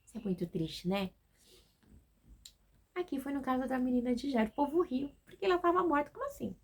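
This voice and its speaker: This Bible teacher's voice sits high, with lively intonation, a brisk pace and a breathy edge. She has a Brazilian Portuguese accent and runs an informal devotional study, reading passages aloud and talking directly with her audience.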